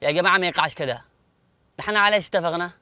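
Yemeni driver arguing super fast, higher voice, dry sound. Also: male voice, bright, forceful tone, dry recording. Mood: exasperated. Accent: Yemeni Arabic. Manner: rapid, exasperated arguing. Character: exasperated male driver arguing with passengers. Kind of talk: TV drama acting.

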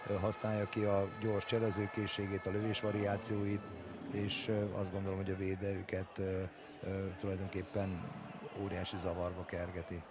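A man's voice: sits low, completely flat delivery. A man analysing a handball match as co-commentator, explaining in hesitant phrases. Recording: very loud arena noise behind commentary.

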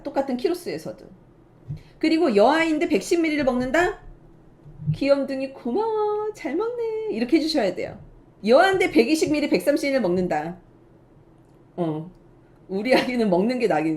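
A woman running a parenting class, giving advice to mothers in a lively, playful lecture and acting out parents with laughs. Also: on the high side. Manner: animated, acts out mothers and dads with laughs.

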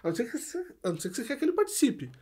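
A middle-aged Brazilian man, a musician and arranger, chatting on a podcast in a rambling, halting way full of restarts. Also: extremely high pitch, very animated, a little mellow. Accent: Brazilian Portuguese. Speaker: musician, arranger and producer guest. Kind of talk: casual podcast conversation.

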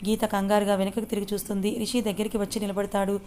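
A woman narrating a romantic story aloud in a brisk, even storytelling manner. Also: mid-range voice, slight background noise.

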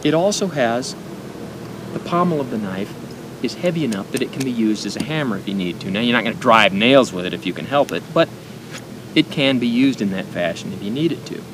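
A middle-aged American man with a speech impediment, giving an informal gear demonstration with deliberate pauses. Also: lively intonation. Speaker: knife and gear reviewer. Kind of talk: informal product demonstration to camera. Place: outdoors at a picnic table in woods. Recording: outdoor noise with low rumble.

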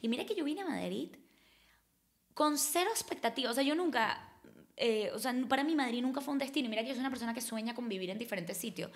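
Emphatic woman, slightly high voice. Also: animated, quick pace. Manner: emphatic, gestures a lot, restarts often. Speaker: podcast guest. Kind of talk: casual chat. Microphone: desk microphone.

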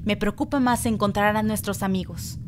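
A woman's voice: mid-range voice, moderate pace, a little hiss or hum, lightly acted. A woman voicing a brave, confident, boastful female hedgehog heroine in a fan dub of video game cutscenes. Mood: determined. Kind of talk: Latin American fandub of game cutscenes.

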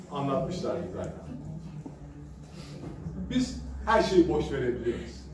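A man preaching at a pulpit microphone, his slightly high voice carrying through a very echoey hall. He sounds set back from the mic, with clear background noise underneath. He tells stories in a relaxed, conversational way and pauses with hesitant fillers. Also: recorded from a distance. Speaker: pastor. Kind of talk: sermon.

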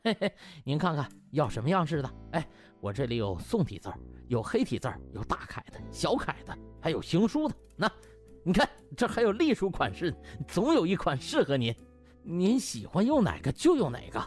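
A man voicing a smug young schemer in an audiobook, gloating with oily, mock-polite courtesy and drawn-out interjections. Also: fairly high pitch, wildly swooping pitch, soft background music. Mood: oily mock helpfulness. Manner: oily fawning mockery, drawn-out interjections, chuckling. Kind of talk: audiobook character acting.

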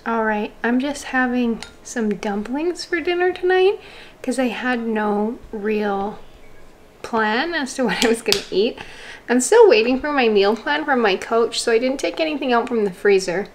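A woman's voice: fairly high pitch, animated, normal speed, music in the background. Chatty woman vlogging from her kitchen. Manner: chatty, explains as she goes. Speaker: fitness vlogger. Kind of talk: casual vlog chat. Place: home kitchen.

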